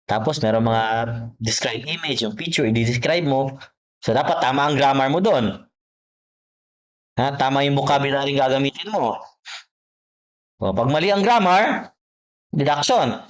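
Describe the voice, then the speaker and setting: A man's voice: medium pitch, a little slow, pauses often. Coaxing man tutoring over a video call. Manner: coaxing, repeats points, checks with "ha?" and "okay?". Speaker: test prep tutor. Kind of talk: private online tutoring session.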